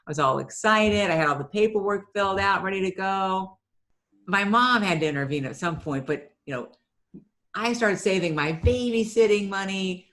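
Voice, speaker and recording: A woman's voice: medium pitch, lively intonation, normal speed, fairly bright tone. A middle-aged woman from Ohio, a marketing business owner, telling stories in a chatty way as a guest in an interview and often repeating a word as she restarts. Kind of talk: conversational storytelling interview.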